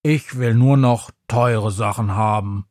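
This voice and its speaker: A man voicing a huge, sulky shadow creature who grumbles in a slow drawl. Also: on the low side, a little mellow, no room sound, studio quality.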